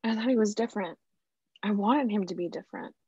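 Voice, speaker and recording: A woman's voice: medium pitch, fairly quick, warm tone, breathy edge, highs cut off. A woman reading the part of a heartbroken young woman, hurt and accusing, during a screenplay table read.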